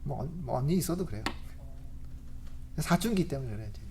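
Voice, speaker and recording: A woman's voice: a bass voice, a little fast, slight background noise. A woman preacher giving a conversational sermon at a church service, telling stories with rhetorical questions and laughing often. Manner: animated storytelling with rhetorical questions and frequent laughs.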